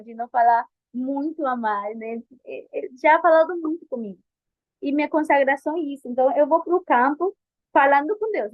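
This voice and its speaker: Young woman, high voice, candid lively storyteller, dry dull lo-fi sound; interviewee sharing testimony. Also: no room sound. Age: young adult. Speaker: interviewee, book colporteur. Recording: dull lo-fi recording.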